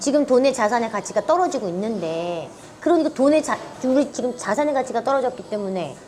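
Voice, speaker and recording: Over noticeable background noise, a woman talks at a fairly quick pace in an animated tone, fairly high-pitched with very wide pitch swings. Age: 50s. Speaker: real estate investment instructor. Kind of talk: casual talk to followers during a property tour.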